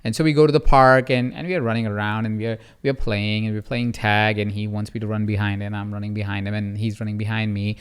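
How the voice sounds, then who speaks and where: Podcast host, man in his thirties, smooth resonant voice, lively storyteller. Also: fast talker, few pauses. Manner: animated, acts out quotes with rising pitch. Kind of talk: conversational storytelling.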